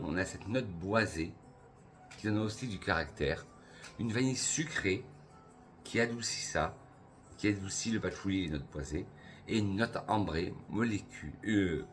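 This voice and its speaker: A man from France talks through perfumes in a casual review, low in pitch and savoring each note. He lists ingredients slowly with pauses, clearly enthusiastic. Faint music plays behind him. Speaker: perfume youtuber.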